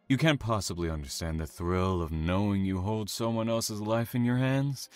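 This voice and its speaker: A man playing a calm, taunting, self-satisfied serial killer in an audio drama, savoring his words with theatrical menace. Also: sits low, dry recording. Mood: menacing, gloating.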